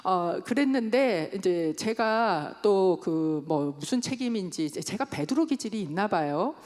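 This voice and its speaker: A woman in her fifties, a pastor, tells stories during a sermon in a church sanctuary, raising her voice whenever she quotes other people. She speaks unhurriedly, with a darkish tone and lively intonation, and a long hall reverb fills the recording.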